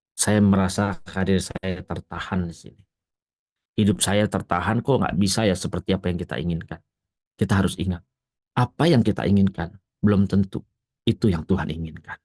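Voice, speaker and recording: A male pastor preaching a sermon, moving from quiet, low storytelling to loud, emphatic peaks.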